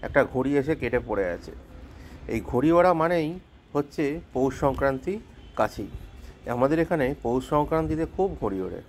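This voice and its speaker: A man with a slightly hoarse voice from a cold, chatting casually with his viewers in a home vlog. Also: mid-range voice, animated, fairly quick, darkish tone, slight background noise. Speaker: vlogger.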